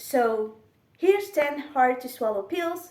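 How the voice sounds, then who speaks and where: A woman with a French accent speaks at a high pitch with very wide pitch swings. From France. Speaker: writer and video creator. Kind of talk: casual vlog talk. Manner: slightly halting, self-correcting.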